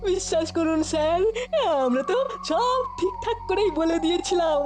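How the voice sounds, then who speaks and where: A woman's voice: very high voice, moderate pace, over a noisy crowd. A woman voicing an eager, easily panicked mischievous boy in a comedy cartoon. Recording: music behind the voice.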